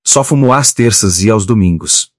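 A man reading aloud and voicing a cold, taciturn male beggar who speaks in a flat, even, curt way. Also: fairly low pitch, normal speed, no echo, studio quality, close to an everyday voice.

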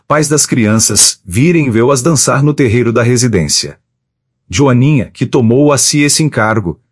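A man reading a book of letters aloud in a steady, measured way, reading the page headings out too. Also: mid-range voice, dry recording, studio quality. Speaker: audiobook reader.

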